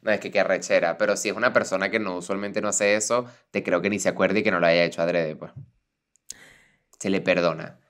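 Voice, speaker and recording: A young man with a Venezuelan accent co-hosting a casual podcast, expressive and reactive. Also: low-pitched, brisk, smooth. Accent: Venezuelan Spanish. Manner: expressive, reacts with repeated exclamations. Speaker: podcast co-host. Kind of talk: casual chat, reading listener stories.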